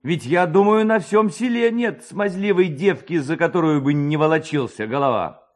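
A man's voice: a little high, normal speed, pitched above the performer's own voice, lightly acted. A man voicing a mischievous, spirited young village lad who rallies his friends in a dramatised story reading. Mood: rousing, defiant. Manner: spirited, exclaiming, rallying. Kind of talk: dramatised reading of a classic tale.

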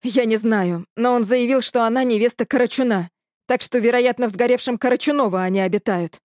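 Woman doing a brisk, decisive young man. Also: fairly high pitch, a little mellow, no echo, studio quality, lightly acted.

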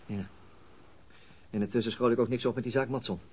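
An actor playing a weary, dry police detective in a radio drama, speaking in a deliberate, understated way. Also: male voice, mid-range voice, fairly even intonation, a little mellow, slightly rough, natural voice. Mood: uneasy, wry. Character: male police detective, weary, dry, recounting being shadowed. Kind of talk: radio drama acting, narrating and dialogue. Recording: noisy older radio drama recording.

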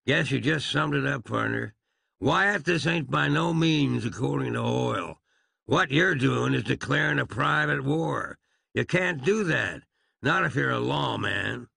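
A man's voice: medium pitch, expressive, a little slow, creaky, pushed and bright, breathy edge, no room sound, studio quality, voice pushed up, heavily acted. A man voicing a cautious, loyal Old West gunman who speaks earnestly in a plain frontier drawl. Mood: wary.

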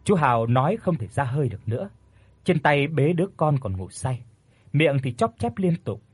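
A man narrating a scripted ghost story in a steady, measured way. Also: fairly high pitch, breathy edge, dry recording.

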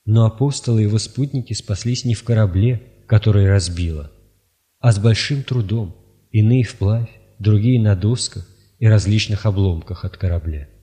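A man reading spiritual writings aloud in a measured, solemn, even delivery. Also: on the low side. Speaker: audiobook reader.

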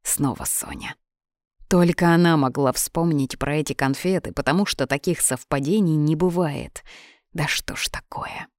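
A woman's voice: sits low, no room sound, studio quality. A woman narrating a first-person novel as a hot-tempered young man, in a plain audiobook reading voice.

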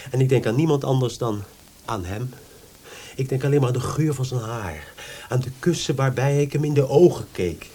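A man's voice: medium pitch, expressive, moderate pace, warm tone, lightly acted. An actor playing a sleepless, lovesick young man in a radio play, pleading and self-absorbed in a dramatic way. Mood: anguished, yearning. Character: sleepless, lovesick, melodramatic young male visitor. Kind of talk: Dutch radio play acting.

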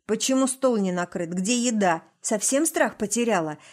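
A woman's voice: fairly high pitch, expressive, moderate pace, a little mellow. A woman reading the part of a drunk, abusive middle-aged husband who hisses, sneers and growls. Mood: menacing.

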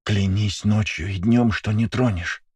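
A man reading an audiobook puts on a skittish young rabbit-eared girl who talks in a husky, breathy hush. She is raised above his own low voice yet stays fairly low for a girl, nervous and halting, in a close, dry storybook reading. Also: no room sound. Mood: fearful. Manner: hushed, hesitant whisper.

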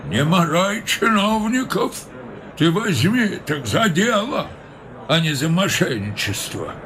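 An actor playing a smug, moralizing older male official in a radio play, with a slow, drawling, sententious manner. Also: sits high, big pitch swings, a bit bright, slight background noise, exaggerated voice. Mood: lecturing. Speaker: senior official.

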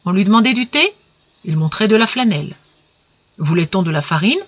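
A storyteller reads an old tale at an even, measured pace, giving the lines gentle expression. The recording is dull and lo-fi, with a muffled top end. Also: mid-range voice, no echo. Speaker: narrator. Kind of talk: audiobook story reading.

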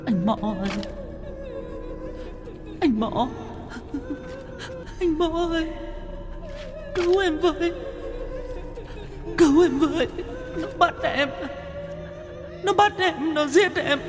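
A man's voice: very high-pitched, lively intonation, slow, pauses often, voice pushed up, heavily acted. A man voicing the wailing ghost of a drowned young woman who pleads and cries for help. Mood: wailing, pleading. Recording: long reverb with loud music.

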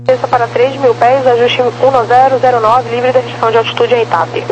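Woman controller heard over two-way radio, quick clipped delivery, noisy humming channel. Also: a little high, steady tone, highs cut off. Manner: rapid, terse, formulaic instructions. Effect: two-way radio transmission. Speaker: air traffic controller.

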